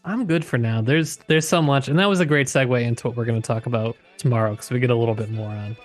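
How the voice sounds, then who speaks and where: A man's voice: medium pitch, quick pace, soft background music. A man co-hosting a podcast, casually discussing literature and tentatively thinking aloud as he goes. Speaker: podcast co-host.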